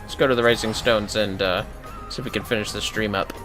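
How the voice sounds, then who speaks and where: A man's voice: fairly low pitch, steady tone, brisk, over music, low-quality recording. A man giving casual, sweary and reactive commentary while livestreaming a video game.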